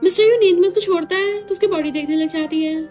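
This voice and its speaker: A woman casually retelling a drama plot in a quick, chatty way. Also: very high-pitched, darkish tone, soft background music. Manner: quick, chatty retelling with mixed English words. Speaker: drama recap narrator.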